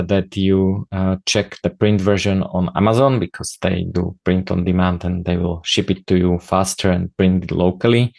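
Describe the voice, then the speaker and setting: A man with a Slovak accent and Slovak as his first language, hosting a podcast and giving a halting, earnest presentation full of pauses. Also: deep voice, creaky, a little mellow, no echo, studio quality. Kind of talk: informal spoken presentation.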